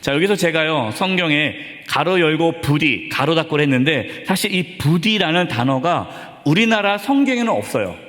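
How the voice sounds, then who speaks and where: A man who is a pastor, preaching a sermon emphatically, with dramatic pauses, in a church sanctuary. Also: fairly high pitch, expressive, fairly bright tone, big-room sound.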